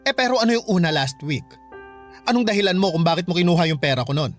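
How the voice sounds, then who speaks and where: A man's voice: high-pitched, animated, fast talker. A man with a Filipino accent playing a motherly, stern yet forgiving gay man in an emotional radio drama. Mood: angry, accusing. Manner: scolding and pleading, emotional. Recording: music bed behind the voice.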